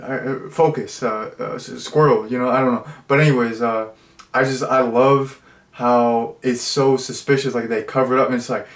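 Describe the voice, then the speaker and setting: A man's voice: medium pitch, steady tone, moderate pace. A man reviewing a horror movie in a casual, rambling way, full of fillers and jokey asides. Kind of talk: casual chat. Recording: roomy echo.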